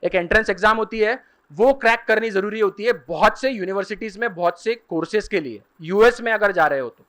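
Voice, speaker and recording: A man giving a lecture at a seminar, explaining step by step and repeating key terms slowly. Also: high voice, a bit bright. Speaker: career guidance speaker. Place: seminar hall.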